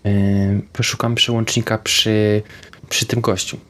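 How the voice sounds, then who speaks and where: A man playing a tabletop game in character, talking excitedly and swearing in frustrated outbursts. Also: on the low side, slow. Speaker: player. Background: faint background music.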